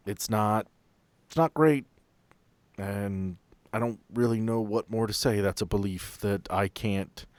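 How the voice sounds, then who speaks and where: A man with a very low voice talks earnestly and casually as a podcast host. His mic is close and dry, with no room sound. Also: a little slow, no room sound. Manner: earnest, apologetic, then joking. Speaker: podcast storyteller. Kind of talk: casual chat.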